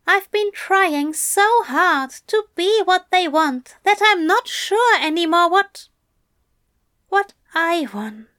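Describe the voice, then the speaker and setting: A woman's voice: very high voice, expressive, takes it slowly, sharp tone, voice pushed up, full character voice. A woman voicing an anxious, earnest male angel who pours out fretful confessions in a raised voice.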